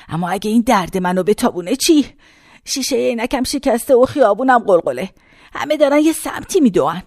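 A woman's voice: fairly high pitch, darkish tone, no echo, clean studio sound, close to an everyday voice. An actress playing a very old woman in a care home, who rambles folksily between memories and complaints. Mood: fretful. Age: older.

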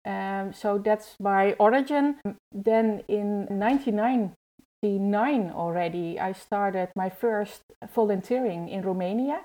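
Woman, 40s, podcast guest; mellow, relaxed tone, halting delivery with many pauses. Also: mid-range voice, low-quality recording. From Netherlands. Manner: hesitant, searching for words. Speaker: youth trainer and guest. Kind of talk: podcast conversation.

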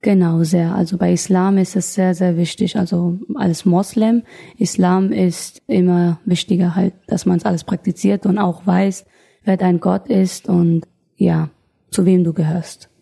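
Interview guest: woman, 30s, from Afghanistan, gravelly low-lit tone, reflective and searching for words. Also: fairly even intonation, a little slow, warm tone. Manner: thoughtful, searching for words, frequent restarts. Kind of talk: personal testimony in conversation.

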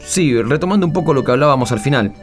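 A man's voice: medium pitch, lively intonation, fast, lightly acted. A man playing a candid, middle-aged Argentine war veteran turned devout Catholic in a radio drama, speaking in an emphatic, colloquial way. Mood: earnest. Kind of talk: radio drama interview acting. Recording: music bed behind the voice.

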